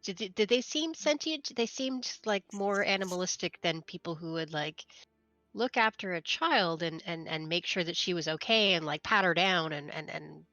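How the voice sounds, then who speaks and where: A woman chatting casually during a tabletop roleplaying game, puzzling aloud with questions and repeated, halting words. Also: fairly low pitch, pushed and bright, no echo, lo-fi sound, soft background music. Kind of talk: casual in-character chat.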